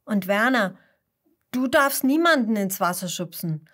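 A woman voicing a kind, helpful little boy dinosaur in a children's audio story, explaining things gently and patiently. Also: medium pitch, animated, unhurried.

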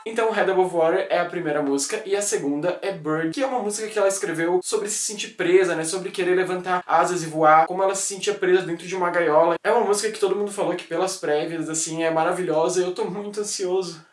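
A man's voice: sits high, fast, hardly any pauses. A man hosting a reaction video, gushing and exclaiming over songs as he listens. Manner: gushing, exclamatory, easily thrilled. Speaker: YouTube reaction host. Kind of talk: excited album reaction. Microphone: computer setup at home. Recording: echoey room with faint music. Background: music playing faintly.

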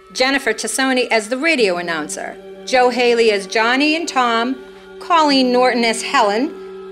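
Actress as grave female storyteller, scripted radio play narration, higher pitch, music behind. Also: a bit bright. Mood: measured. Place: theatre stage, live reading. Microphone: stand microphone.

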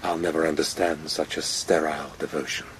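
An actor playing a worldly, brooding nobleman in a radio drama, formal and deliberate in his speech. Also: extremely low pitch, little pitch movement, slight background noise. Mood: brooding, probing. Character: worldly, brooding nobleman courting a mourning woman.

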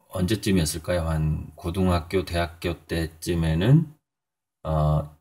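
A middle-aged man with a low, husky voice chats through his morning. He talks in a loose, rambling way, pausing on fillers and chuckling now and then. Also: a little mellow. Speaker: painter and channel host. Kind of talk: casual morning vlog talk.

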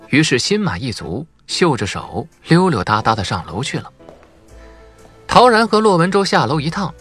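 Lively, slightly husky male narrator. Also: mid-range voice. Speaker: audiobook narrator. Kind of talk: expressive scripted narration.

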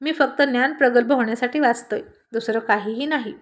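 Storybook figure: patient young male student, measured, voiced by a woman. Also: fairly high pitch, lightly acted. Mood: calm. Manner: calm, restrained.

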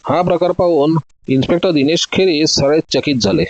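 Male narrator for a detective audio story, fairly high voice, dry and slightly muffled sound. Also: fairly quick, dry recording.

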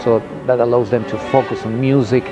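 A man in his forties speaking thoughtfully and haltingly in an interview as a university music director. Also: mid-range voice, level tone, lo-fi sound. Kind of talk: interview talk to camera. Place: outdoors on a campus lawn.

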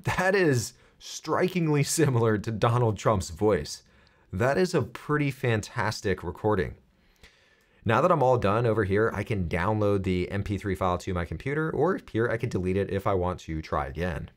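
A man in his thirties presenting a software tutorial, explaining things clearly step by step. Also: fairly low pitch, animated, normal speed.

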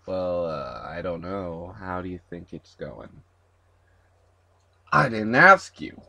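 A man's voice: low voice, big pitch swings, slow, vocal fry, sharp tone. A man speaking in his normal voice for an amateur voice acting demo.

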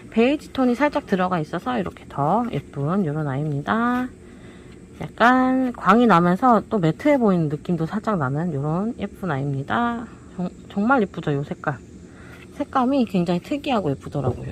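A woman presents handmade flower pots in a lively, sing-song voice that swoops up and down. She coaxes viewers along and keeps asking if the pots aren't pretty. A faint room hiss sits under her voice in the shop. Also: fairly low pitch. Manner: cheerful, coaxing, keeps asking "pretty, right?". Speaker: pot shop seller. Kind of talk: product showcase talk. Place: indoor pot shop.

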